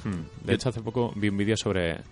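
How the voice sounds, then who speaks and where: A man from chats about games on a podcast. His voice is deep, and he chimes in often with agreement and short opinions. Soft music sits faintly behind him. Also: brisk. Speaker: podcast co-host. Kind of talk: casual chat about video games.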